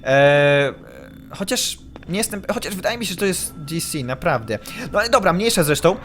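A young man commenting on a horror game he is playing, excitable, yelping when startled and muttering while he sneaks. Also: on the high side, moderate pace, faint music behind. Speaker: gaming YouTuber.

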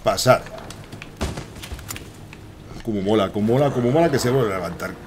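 Playing a horror game on stream, this Spanish-accented man (from Spain) narrates live, cursing frequently and shouting excitedly at both the enemies and his chat. He speaks at a moderate pace in a fairly low voice.

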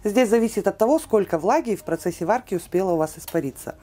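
A woman giving a calm, precise step-by-step cooking voice-over, listing weights and steps, with soft music behind her. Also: mid-range voice, fast. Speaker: cooking channel host.

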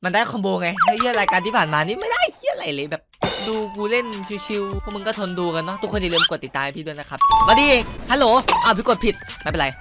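A young man doing casual gameplay commentary, loud and crude, with excitable trash talk aimed at other players. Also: high voice, fast talker. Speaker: gaming YouTuber. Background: loud game music.

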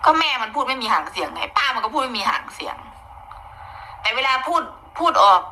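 Woman, Isan accent, gossip commentator, bright fairly high voice, chatty and opinionated, faint noise behind. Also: animated, brisk, low-quality recording. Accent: Isan (Northeastern Thai). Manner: chatty, opinionated, mixing in Isan dialect, bursts of exclaiming. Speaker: online commentator.

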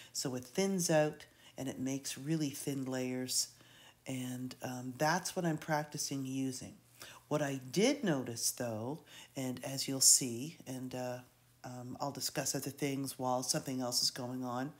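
Very deep, slow-paced woman, congested from a cold, rambling art-tutorial voice-over with lots of ums. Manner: rambling, hesitant, many fillers. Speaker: art instructor. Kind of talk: unscripted painting tutorial voice-over.

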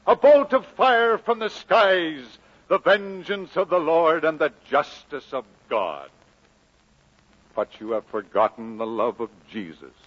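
An actor playing a solemn, declamatory preacher full of grief and conviction, in mid-century radio drama style. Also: male voice, sits high, a bit bright, full character voice. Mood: thundering, indignant. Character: impassioned, grieving preacher leaving his valley, firm and commanding. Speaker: minister. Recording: muffled old radio recording.

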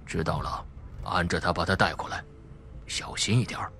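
A man's voice: deep voice, fairly even intonation, normal speed, creaky, pushed and bright, a little hiss or hum, pitched below the performer's own voice, full character voice. A man voicing a cold, suspicious crime boss in an audiobook, curt, commanding and menacing. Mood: cold, guarded. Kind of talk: audiobook character acting.

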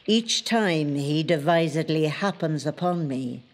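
A woman's voice: low-pitched, lively intonation, unhurried. A woman playing the possessive, capricious spirit of a lake in a poetic audio drama, speaking in an intimate, incantatory way.

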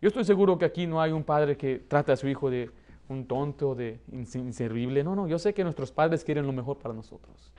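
A man in his thirties who grew up in the United States, preaching a lively sermon from a pulpit with a Mexican Spanish accent. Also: a little high, fairly quick. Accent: Mexican Spanish, learned in the United States. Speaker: pastor. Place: church hall, plain indoor room.

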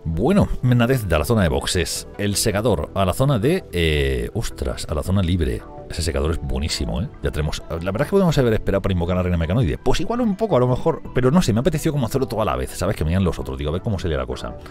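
Fast, excitable man, very deep. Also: soft background music. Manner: fast, excitable, swears and laughs often. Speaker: gameplay streamer. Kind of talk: live strategy game commentary.

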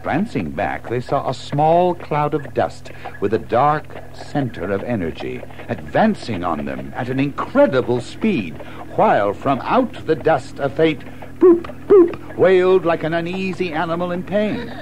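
A man narrating a children's story in an expressive, measured storytelling manner. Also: a little high, slight background noise, low-quality recording. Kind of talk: scripted storybook narration in an audio drama.

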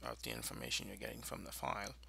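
A man presenting an informal screencast tutorial, explaining in a halting, improvised way. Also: rumbling low, animated, creaky, bright, forceful tone.

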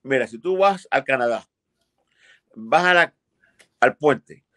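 A man's voice: medium pitch, expressive, slow pace, a bit bright, no echo, studio quality. An older man, an immigration lawyer, answering viewers' questions emphatically and bluntly over a video call from a home office. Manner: emphatic, blunt, repeats for stress. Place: home office with framed pictures.

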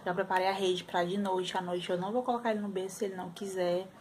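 A woman, chatting softly to camera in a casual home vlog. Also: mid-range voice, flat delivery, fast talker, a little hiss or hum. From Brazil. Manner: soft, chatty, sliding into baby talk. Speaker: vlogger mother. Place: apartment at home.

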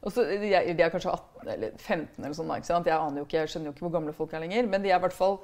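A middle-aged woman with a fairly low voice chats frankly as a guest author. She keeps checking in with tag questions and restarts her sentences as she talks. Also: a little mellow. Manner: chatty, frank, tags remarks with questions. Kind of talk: casual conversational interview.

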